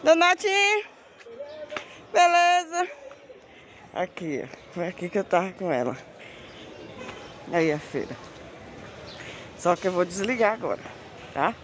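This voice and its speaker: Slow-paced Bahian woman touring a noisy market. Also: fairly low pitch, animated. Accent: Bahian Brazilian. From Bahia, Brazil. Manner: repetitive, pointing things out with short exclamations. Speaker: vlogger. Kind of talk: casual handheld market tour. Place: street and large open-sided covered market. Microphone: handheld phone. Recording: noisy outdoor street and market ambience.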